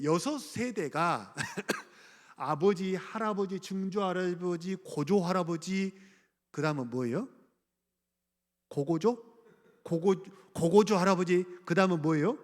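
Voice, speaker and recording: A middle-aged man from Gwangju preaching a sermon as pastor, speaking conversationally, asking the congregation questions and chuckling. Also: sits high. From Gwangju, South Korea. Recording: church hall reverb.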